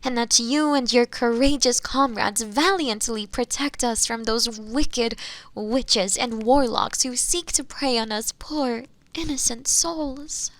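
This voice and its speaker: A woman playing a meek, pleading witch prisoner in a fantasy audio drama, with halting, deferential, formal speech that often turns breathy. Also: fairly high pitch, no room sound. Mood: pleading innocence. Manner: halting, deferential, formal old-fashioned phrasing, often breathy and near-whispering. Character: meek, pleading imprisoned witch feigning frail innocence. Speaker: voice actor in an audio roleplay. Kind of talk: fantasy roleplay audio drama acting, addressing the listener.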